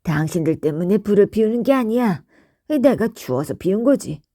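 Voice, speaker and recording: A woman's voice: medium pitch, expressive, moderate pace, mellow, no echo, studio quality. A woman voicing a grumpy, reclusive creature in a bedtime storybook, curt and blunt. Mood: gruff. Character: grumpy gruff reclusive hut-dwelling creature.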